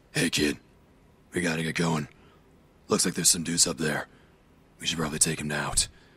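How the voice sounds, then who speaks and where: In a put-on character voice, a man speaks raspy and very deep, moving at a fairly quick pace broken by long, frequent pauses. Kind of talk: casual, addressing a kid. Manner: monotone, one note.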